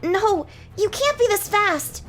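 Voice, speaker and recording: Game casting: indignant young female knight acted by a woman, very high, loud, declamatory, easily flustered. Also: a little slow, faint music behind. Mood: desperate. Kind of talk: visual novel voice acting.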